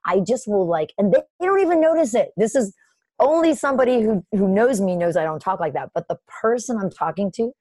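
A woman guest in a casual interview, telling stories in a lively way with many "like" and "you know" fillers. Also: medium pitch, brisk, dry recording. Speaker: podcast guest.

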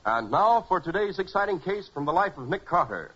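1940s American radio announcer, male: forceful, animated, polished sales delivery, slightly husky edge, dull vintage sound. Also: high-pitched, brisk, faint music behind. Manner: dramatic, emphatic, polished salesmanship. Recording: muffled 1940s radio recording.

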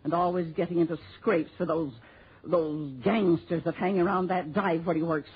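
A woman's voice: lowish voice, steady tone, normal speed, slightly rough. An actress playing a bitter, greedy schoolteacher who resents her relatives, in a 1960s radio drama. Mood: resentful. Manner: spiteful, voice swooping and breaking into sobs. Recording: dull old radio broadcast.

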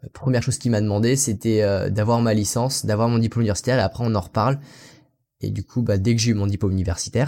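A man's voice: lowish voice, warm tone. A young man from France, an English teacher, telling his story casually in an interview, rambling and often tossing in "you know" and "so". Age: young adult.

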